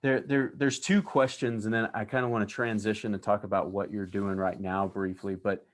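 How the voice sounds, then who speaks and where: Hesitant, low-voiced male instructor. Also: little pitch movement, normal speed. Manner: hesitant, searching for words, with many ums and restarts. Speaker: university instructor hosting a class. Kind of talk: class interview.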